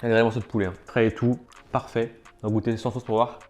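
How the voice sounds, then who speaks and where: A food challenge vlogger tastes and reviews food in a chatty, casual way, sometimes speaking with his mouth full. His mid-range voice is darkish and flat, and he talks rapid-fire.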